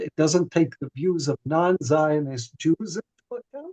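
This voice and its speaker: The man's voice has a dark, mellow tone, and his delivery is fairly slow. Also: dry, close sound with no echo. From Israel. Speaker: professor. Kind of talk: lecture.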